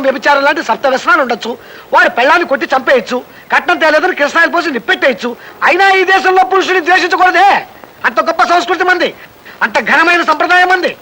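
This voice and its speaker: Shrill fast-talking bully, brash bright voice, film comedy. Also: male voice, rough recording. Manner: bossy, threatening, boastful. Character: blustering boastful man scolding a woman.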